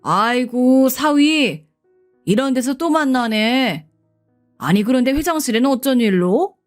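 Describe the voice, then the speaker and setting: A woman voicing a blunt older male security guard who scolds roughly, over faint background music. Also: fairly high pitch, expressive, a little slow. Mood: dry. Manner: gruff, scolding speech.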